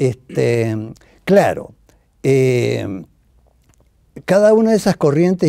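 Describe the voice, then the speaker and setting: Very slowly, a man speaks in a dark, mellow tone with very wide pitch swings over a quiet background. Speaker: retired history teacher and author; retired history teacher. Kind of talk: interview. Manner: halting, many fillers. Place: studio.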